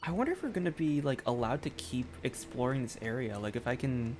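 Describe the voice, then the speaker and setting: A man's voice: mid-range voice, lively intonation, a little fast, a little mellow, soft background music. A man giving casual, enthusiastic, slangy commentary as a gaming streamer. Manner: slangy, rambling.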